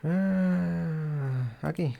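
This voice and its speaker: A man's voice: a little high, drawn-out words, vocal fry, highs cut off. A man hosting a casual video game playthrough, commenting and reading out dialogue. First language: Spanish. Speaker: gamer, channel host.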